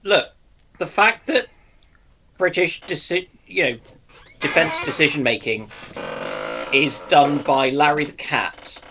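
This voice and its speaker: A man's voice: on the high side, slow pace, long pauses, pushed and bright, a little hiss or hum. A man chipping in as a guest on a live stream with casual, dryly sardonic banter over a voice call.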